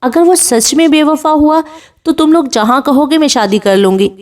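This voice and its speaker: A woman's voice: sits high, darkish tone, distant mic, voice pushed up, natural voice. A woman voicing a heartbroken young woman who speaks in a tearful, pleading tone in a storybook reading.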